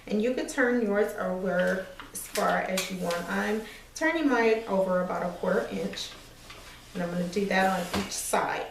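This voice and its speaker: Woman, slightly hoarse, gravelly, chatty sewing tutorial, echoey room, far from the camera. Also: medium pitch, moderate pace, noisy background. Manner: relaxed, chatty step-by-step explaining with fillers. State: slightly hoarse, losing her voice. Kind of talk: casual craft tutorial. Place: small room indoors at an ironing board.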